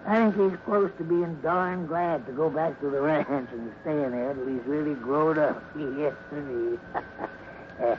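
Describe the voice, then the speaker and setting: A man's voice: a little high, measured pace, lightly acted. A man playing a folksy cowhand with ungrammatical cowboy talk in a 1950s radio western. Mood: sly, self-satisfied. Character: chuckling, scheming folksy cowhand. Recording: muffled, noisy 1950s radio recording.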